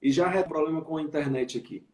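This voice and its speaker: A male psychologist talking haltingly on a video call, his audio glitching and cutting out. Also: fairly high pitch, warm tone. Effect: glitching, cutting-out internet audio. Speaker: psychologist guest.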